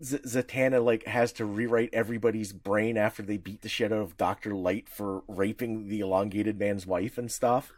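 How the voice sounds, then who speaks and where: A man co-hosting a podcast in casual chat, opinionated and animated, swearing freely. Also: fairly low pitch, normal speed, hardly any pauses, no room sound, studio quality. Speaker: podcast co-host.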